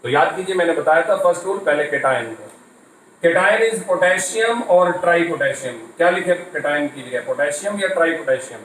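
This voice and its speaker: A man's voice: a little high, lively intonation, moderate pace, a bit bright, recorded from a distance, slight background noise. A man giving a chemistry lecture in Hindi mixed with English, explaining step by step and answering his own questions. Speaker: chemistry teacher. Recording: echoey room, voice from off-mic.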